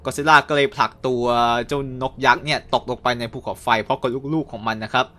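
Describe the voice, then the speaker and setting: A young man casually recapping and reviewing a cartoon episode, chatty with quick asides. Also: mid-range voice, sharp tone.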